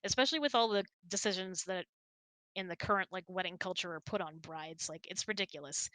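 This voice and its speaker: A woman's voice: lowish voice, fairly quick, fairly bright tone, dry recording. A woman hosting a casual hangout, telling stories and answering questions in a chatty, rambling, giggly way. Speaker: host of an online hangout.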